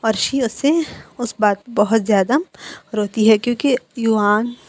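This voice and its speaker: A woman casually retelling a fan story, talking conversationally with filler pauses and self-corrections. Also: on the high side, dry recording. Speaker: story narrator.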